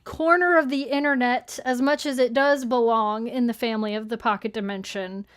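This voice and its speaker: High-voiced woman co-hosting a casual podcast. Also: steady tone, moderate pace, clear, resonant tone. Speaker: co-host of a podcast live show. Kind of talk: casual chat, announcing channel updates.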